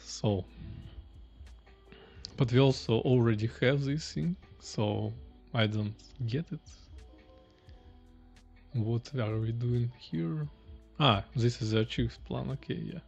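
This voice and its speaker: A man's voice: medium pitch, takes it slowly, vocal fry, pauses often, a little mellow, slightly rough, muffled recording, soft background music. A man, chatting casually while live-coding and thinking aloud on a stream from a small room. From Russia. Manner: thinking aloud, chatty, reading chat questions. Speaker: streamer, indie developer.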